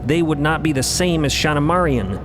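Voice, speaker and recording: Audio drama: robed mystic, male performer; formal, precise, courteous, higher male register; rumbling background. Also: moderate pace, background noise, natural voice. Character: solemn, courteous robed veiled mystic elder. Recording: steady rumbling ambience under voice.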